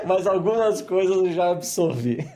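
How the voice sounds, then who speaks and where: A middle-aged man from Minas Gerais with a Mineiro accent, telling his career story as a podcast guest in lively casual conversation. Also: high voice. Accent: Mineiro Portuguese. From Minas Gerais, Brazil. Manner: animated storyteller, many fillers.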